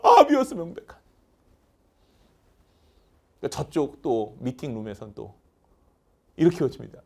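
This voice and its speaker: A man teaching English vocabulary in a lively lecture, chanting word lists over and over and acting out little skits. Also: mid-range voice, a little slow, gravelly, slightly rough.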